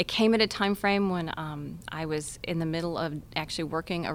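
Speaking with an American accent, a woman has a plain, everyday voice, a fairly low pitch, fairly even intonation and a fairly quick pace. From US Midwest, Chicago suburbs. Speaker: space agency director. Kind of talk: interview.

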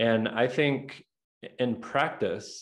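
A man speaks against a quiet background. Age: 30s. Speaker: neuroscience research professor. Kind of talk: casual interview.

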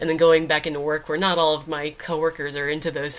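Noticeable noise surrounds a woman who talks at a very fast clip. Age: 30s. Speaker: podcast host. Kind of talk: casual chat. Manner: animated.

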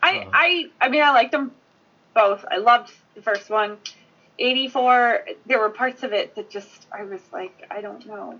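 Speaking fairly slowly with an American accent, a woman uses a high pitch, lively intonation and big swings in loudness. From US Northeast, South Jersey. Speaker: cosplayer and podcast co-host. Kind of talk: casual chat. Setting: video call.

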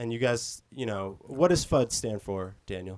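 At a moderate pace, a man with an unremarkable speaking voice talks with lively intonation. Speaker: podcast co-host. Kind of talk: casual chat.

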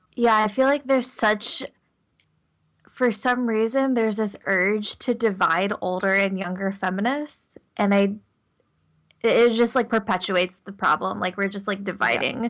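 The recording is very clean, with a silent background. A woman talks at a moderate pace in a plain, everyday voice, her pitch fairly high with ordinary variation. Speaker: podcast co-host. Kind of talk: casual chat.

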